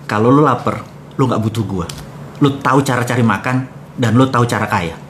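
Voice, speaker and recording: A man voicing an older male mentor who speaks in short, blunt, unhurried sentences. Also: mid-range voice, fairly bright tone, a little hiss or hum, lightly acted. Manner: blunt and laconic.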